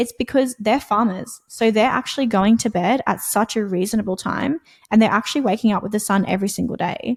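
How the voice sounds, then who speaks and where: Speaking with an Australian accent, a woman with a fairly high, somewhat breathy voice moves at a fairly quick pace with fairly even intonation. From Australia, southeast Queensland. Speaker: quantum biology health coach. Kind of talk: podcast interview. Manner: casual, many fillers.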